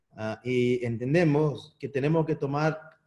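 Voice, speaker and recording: A man speaks at a fairly slow pace. His fairly high voice has a dark, mellow tone. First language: Portuguese (speaking Spanish). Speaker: city official. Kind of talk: webinar presentation. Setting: video call. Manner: halting.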